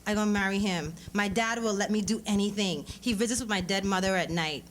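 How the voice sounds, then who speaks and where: A woman voicing a dazed, evasive teenage girl who gives short, low-key replies in a story reading. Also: brisk, lightly acted. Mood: dazed, defiant. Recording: clearly noisy live event recording.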